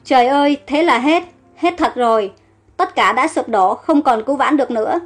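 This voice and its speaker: A woman's voice: sits high, moderate pace, faint music behind. Carol, a woman reading as a heartbroken young queen. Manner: tearful, despairing.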